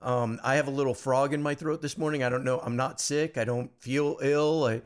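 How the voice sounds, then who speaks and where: A man hosting a podcast, slightly hoarse, chatting in an upbeat, rambling way. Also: mid-range voice, steady tone, brisk. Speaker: podcast host. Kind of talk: casual podcast interview.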